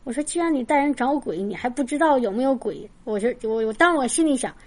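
Woman, somewhat high voice, warm retelling of a faith encounter, lively delivery with restarts. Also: fast talker. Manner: acts out quoted dialogue. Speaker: Christian speaker sharing a testimony. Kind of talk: personal storytelling, casual.

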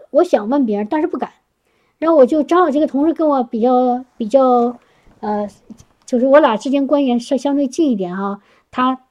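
High-voiced woman giving a church testimony. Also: a little mellow. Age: adult working professional. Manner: earnest, chatty, frequent tag particles and restarts. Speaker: church speaker sharing a testimony. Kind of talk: sermon testimony to a congregation.

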